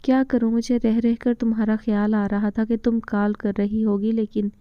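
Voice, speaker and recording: A woman reading the lines of a gentle, modest young woman in a storybook, with a slightly dull recording. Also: a little high, level tone, moderate pace, no room sound, natural voice. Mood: lively.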